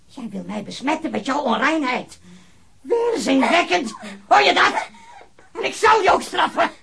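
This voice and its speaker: An actor playing a disturbed, self-righteous male murder suspect full of loathing in a radio crime drama, speaking in a halting, repetitive way with a husky, breathy voice. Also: extremely high pitch, animated, bright, forceful tone, full character voice. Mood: frenzied disgust.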